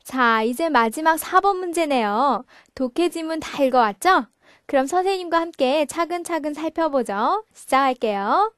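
A woman's voice: sits high, lively intonation, moderate pace, fairly bright tone, no echo, studio quality. A woman teaching English grammar to Korean learners, explaining each sentence patiently and step by step. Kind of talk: recorded lesson explaining a textbook.

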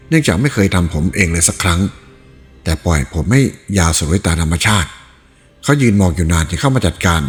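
A man narrating a novel aloud in an expressive storytelling read. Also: deep voice. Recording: reverberant room with faint music.

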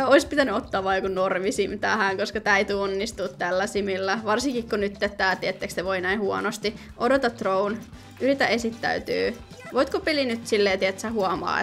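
A young woman commenting casually on her gameplay, chatty and excitable, often pleading and reading out game options. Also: mid-range voice, creaky. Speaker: gaming video host.

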